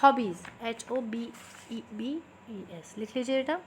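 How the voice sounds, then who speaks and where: A woman teacher with an Indian accent, giving a lesson by mixing Hindi and English, dictating answers slowly and spelling words out letter by letter. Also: fairly high pitch, a little hiss or hum. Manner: addresses students affectionately as beta. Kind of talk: online class lesson, Hindi-English mix.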